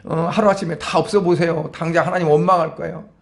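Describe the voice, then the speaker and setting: A preacher voicing Satan, wheedling and dismissive, in a quick, low retelling. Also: male voice, fairly even intonation, gravelly. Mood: scoffing. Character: sly scoffing male Satan.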